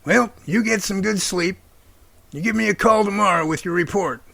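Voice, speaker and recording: A man's voice: high-pitched, moderate pace, creaky, pushed and bright, dry recording, heavily acted. A man playing a fatherly older professor in an amateur radio drama, folksy and encouraging.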